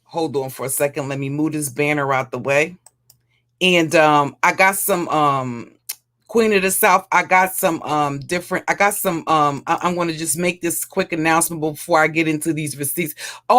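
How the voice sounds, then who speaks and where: A woman with a heavy, deep voice, ranting as a livestream commentator in a mocking, profane way, often repeating and restarting her phrases. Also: moderate pace, fairly bright tone. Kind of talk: profane roast rant.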